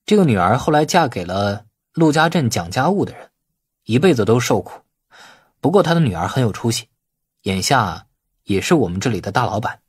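A man's voice: medium pitch, big pitch swings, brisk, breathy edge, dry recording, clean studio sound. A man voicing a shrewd, affable young businessman in an audiobook, polite and a little sheepish.

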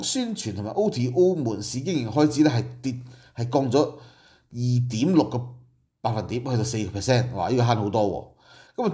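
Mellow-voiced Hong Kong Cantonese man. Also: medium pitch. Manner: conversational, explains business figures with asides and rhetorical questions. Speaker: political commentary host. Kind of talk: casual commentary.

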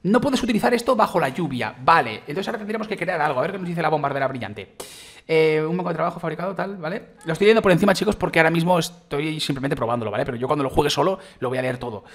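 Fast-talking excitable Spanish man gamer. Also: fairly high pitch. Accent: Spain Spanish. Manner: excitable, exclamatory, rambling. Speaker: gaming youtuber. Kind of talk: let's-play gameplay commentary.

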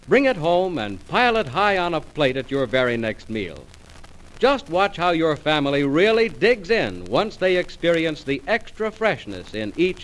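On a slightly noisy old broadcast, a male announcer delivers a scripted pitch in 1940s radio style. His voice is fairly high and very animated, polished and persuasive.

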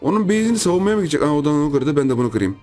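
A man hosting a gaming channel, giving lively gameplay commentary, repeating himself and yelping in surprise while chatting to his viewers. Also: a little high, racing, soft background music. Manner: excitable, repeats phrases, shouts in surprise; chatty, addresses viewers as friends.

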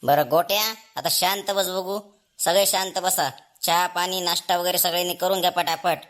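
A man's voice: high voice, steady tone, normal speed, a bit bright. A commanding family father from a comedy cartoon, acted by a man. He speaks colloquially with a rural Maharashtrian accent. He likes to take charge of everyone. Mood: firm. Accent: rural Maharashtrian Marathi. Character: bossy village father, gruffly chiding, then agreeable. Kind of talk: Marathi comedy cartoon dialogue.

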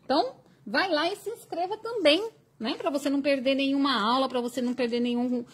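A woman's voice: high voice, a bit bright. A Brazilian woman teaching crochet on a live stream, chatting and reading viewer comments aloud. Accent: Brazilian Portuguese.

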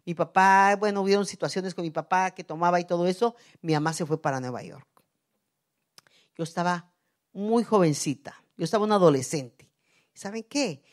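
Una predicadora de mediana edad con acento guatemalteco, que predica con fervor en una iglesia y pasa de apartes suaves a exclamaciones fuertes. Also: female voice, on the low side, moderate pace. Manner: fervent, swings from soft asides to loud cries. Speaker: preacher. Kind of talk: sermon. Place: church.

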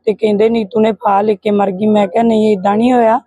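A woman's voice: medium pitch, flat delivery, fast talker, dark tone, breathy edge, no echo. A Punjabi woman, the victim's aunt, answering a reporter and steadily recounting phone calls. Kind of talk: interview answers.

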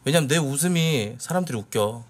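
A man's voice: mid-range voice, expressive, fairly quick. A man in his thirties hosting a stream, giving casual reactions in a blunt, grumbling way. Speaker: streamer hosting a try-not-to-laugh challenge. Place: small indoor streaming room.

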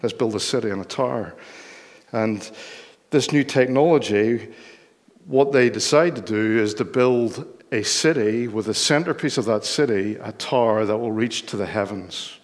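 A man's voice: lowish voice, normal speed. Older male preacher, Northern Irish accent, explanatory sermon delivery, recorded in a hall with long reverb. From Northern Ireland. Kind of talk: sermon with Bible reading. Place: church hall, speaking from lectern on stage.

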